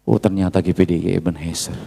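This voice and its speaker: A male pastor preaching a sermon, dropping from low murmurs to loud high shouts and slipping into asides. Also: steady tone, fast talker, gravelly, husky. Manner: mixes Indonesian with Javanese asides. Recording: long hall reverb.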